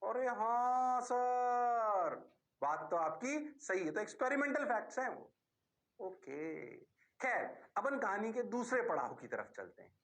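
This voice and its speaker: A man teaching physics in a lively lecture, answering his own questions in the students' voice and throwing in drawn-out exclamations. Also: high-pitched, gravelly. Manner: drawn-out exclamations and playful asides. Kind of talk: animated classroom-style lecture.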